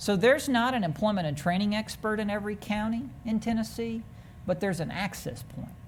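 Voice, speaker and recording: A woman's somewhat breathy, fairly high voice with an American accent, ordinary pitch variation and a fairly quick pace, amid audible room echo. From rural Texas. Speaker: government program official. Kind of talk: panel discussion. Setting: virtual conference, in a room with the moderator.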